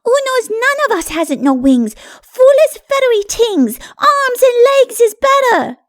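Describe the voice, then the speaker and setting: A woman's voice: very high voice, sing-song, a little slow, no room sound, studio quality, pitched above the performer's own voice, full character voice. A woman voicing a playful little child in an audiobook, with lisping baby talk and broken grammar. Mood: gleeful. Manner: babyish lisping speech, broken grammar, exclaiming. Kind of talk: audiobook character voice.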